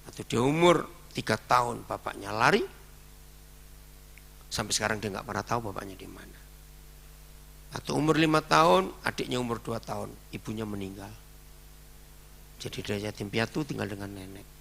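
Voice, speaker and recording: A man's voice: fairly low pitch, moderate pace, gravelly, long pauses, a bit bright. A man preaching a sermon with an Indonesian accent, telling a story and acting out the dialogue in it.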